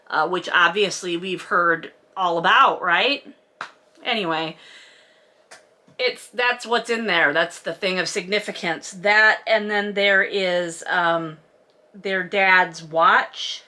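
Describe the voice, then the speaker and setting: A woman's voice: lowish voice, bright, forceful tone. A woman giving a casual, comedic book recap with sarcastic, wry asides, in the manner of a video host.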